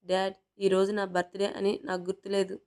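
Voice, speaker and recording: A woman's voice: medium pitch, completely flat delivery, fairly quick, a little mellow, smooth, close to an everyday voice. A woman voicing a subdued young son.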